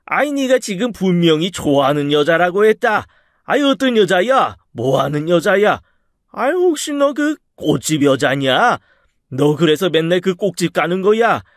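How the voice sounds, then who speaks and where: A man's voice: medium pitch, a little slow, dry recording, clean studio sound, natural voice. A man voicing a boisterous older male farm boss who drawls in a countrified way, in a storybook reading. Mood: overjoyed.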